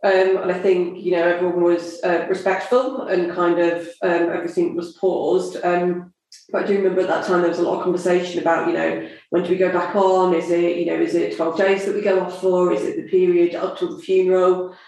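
A woman with a southern English accent co-hosting a casual marketing chat, talking with frequent fillers and pauses. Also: fairly low pitch, fairly even intonation, darkish tone. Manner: hesitant, many fillers. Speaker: podcast co-host. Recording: echoey room.

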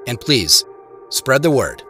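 A man reading scripted credits as the writer and host of an audio drama, in a measured announcing manner. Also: mid-range voice, very animated, sharp tone, faint music behind. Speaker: writer, director, producer and host.

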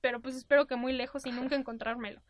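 A young woman with a Mexican accent telling a personal story to an audience in a candid, animated way. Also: high-pitched, fast talker, no room sound, studio quality.

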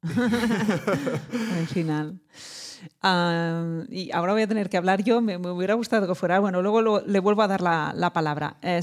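Brief: woman podcast host, mid-pitched, loose and chatty delivery that rambles through restarts. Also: a little mellow. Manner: chatty, with frequent restarts and filler tags. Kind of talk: casual conversational interview.

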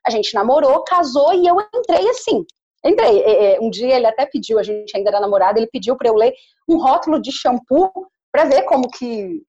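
A woman's voice: fairly high pitch, darkish tone, highs cut off. A woman from Paraná with a caipira country accent, chatting and explaining emphatically in a casual interview. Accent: caipira country accent of northern Paraná. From Paraná, Brazil. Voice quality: good clear diction. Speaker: commercial voice-over artist.

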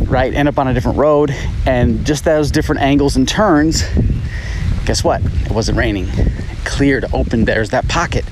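A man giving an animated motivational talk, recorded on his phone outdoors at a park. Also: mid-range voice, noisy background. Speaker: podcast host.

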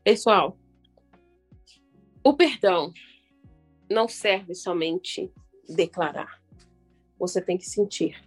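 A woman's voice: fairly low pitch, slow pace, long pauses, husky. A Brazilian woman hosting a motivational self-help radio program, instructing listeners directly with emphatic repetition and guided declarations, with music behind her.

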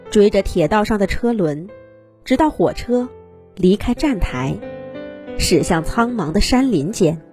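A woman reads a fairy tale to small children. Her delivery is animated and expressive, with a lively, wide-moving pitch. Faint music plays behind her. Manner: animated storytelling for young children. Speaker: children's story narrator.

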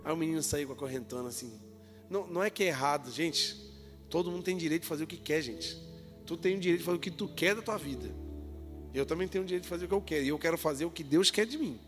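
High-voiced preacher in a reverberant hall. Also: male voice, fast talker. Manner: lively storytelling with colloquial jokes and acted-out dialogue. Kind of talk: sermon. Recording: hall reverb with faint music.

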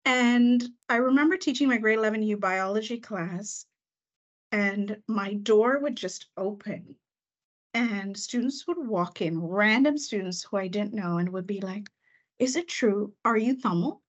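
A woman educator speaks at an ordinary middle pitch, telling her story in a reflective, steady way. The sound is a bit muffled and lo-fi. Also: measured pace. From Canada. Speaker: school administrator. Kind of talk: panel discussion storytelling. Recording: muffled, lo-fi audio.

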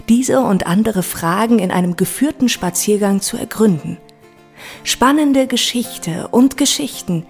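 A woman's voice: medium pitch, darkish tone, breathy edge. A woman reading scripted narration for an audio walk, with guitar music behind her.

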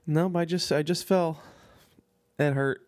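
A man co-hosting a podcast, telling stories in a casual, animated way. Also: a little high, no echo, studio quality. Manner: quick, animated storytelling. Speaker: podcast co-host. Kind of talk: casual chat. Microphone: studio podcast mic.

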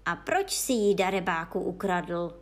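Přísný tlustý soudce v podání předčítající ženy hřímá a hlasitě křičí. Jeho hlas je oproti vyprávění silnější, ale ve stejné výšce. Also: female voice, lowish voice, expressive, natural voice. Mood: hřímavý, rozhněvaný.

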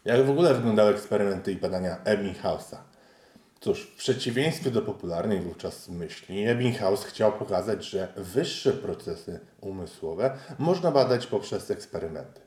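A man giving a scripted, measured explanatory narration for an educational video. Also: on the low side, darkish tone. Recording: roomy echo.

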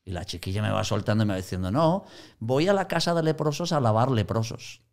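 A man gives conversational teaching on Christian mission, telling anecdotes and animatedly acting out the voices he quotes. His voice is on the low side and his delivery is brisk.

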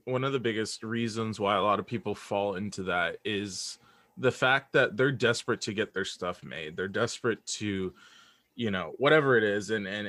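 Casting: young man as podcast guest, slightly deep voice, very dry recording, sincere and conversational, stumbling and repeating words while thinking. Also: fairly bright tone, no echo. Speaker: guest, audio drama creator. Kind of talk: casual interview chat.

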